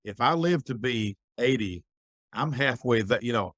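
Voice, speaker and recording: A man's voice: mid-range voice, expressive, normal speed, fairly bright tone, no echo. A middle-aged man speaking as a podcast guest, giving earnest, folksy advice in a reflective conversation. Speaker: guest, business owner.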